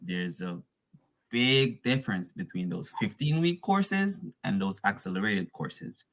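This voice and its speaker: A man's voice: fairly low pitch, expressive, unhurried, a bit bright. Casual man presenter calling everyone "guys". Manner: casual, addresses listeners as "guys", fillers and restarts. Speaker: dual enrollment presenter. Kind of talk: informational presentation.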